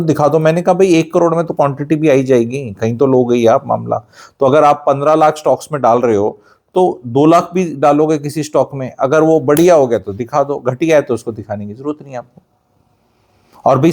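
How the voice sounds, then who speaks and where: A man's voice: mid-range voice, darkish tone. A man from Haryana, hosting a real estate channel, giving a blunt, sarcastic, lecturing monologue full of rhetorical questions. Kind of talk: opinionated monologue, mixing Hindi and English.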